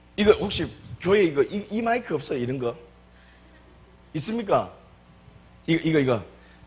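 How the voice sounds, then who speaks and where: A man speaks at a fairly quick pace in a high voice, his pitch swinging very widely between long, frequent pauses. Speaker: pastor. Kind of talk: sermon. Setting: church.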